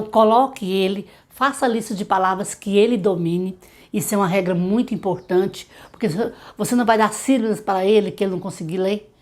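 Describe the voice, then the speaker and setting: A middle-aged Brazilian woman, a literacy teacher, giving reading tips straight to parents and slowly sounding out sample words. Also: mid-range voice. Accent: Brazilian Portuguese. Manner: warm direct advice to mothers, slow syllable-by-syllable demonstrations. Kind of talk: tutorial talking to parents.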